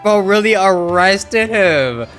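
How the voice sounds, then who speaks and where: A man's voice: sits high, lively intonation, slow, a bit bright, soft background music. A man streaming a video game, casual and laid-back. He laughs often and answers his chat. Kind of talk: casual live-stream commentary.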